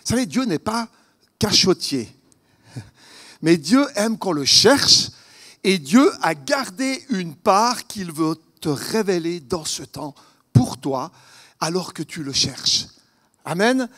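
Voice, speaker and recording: A man with a Vaud Swiss French accent preaching a sermon at a church conference, earnest and questioning, swinging between loud emphasis and hushed lines. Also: sits high, sing-song, slow pace, long pauses. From Vaud, Switzerland.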